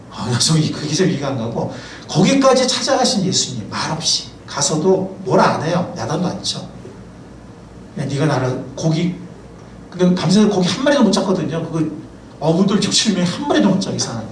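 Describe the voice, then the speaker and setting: Animated preaching man, roomy church sound. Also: a little high, slight background noise. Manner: asks the congregation questions; lively, chatty preaching with asides. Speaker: pastor and professor. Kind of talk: sermon. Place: church sanctuary. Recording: roomy, distant mic, faint ambience.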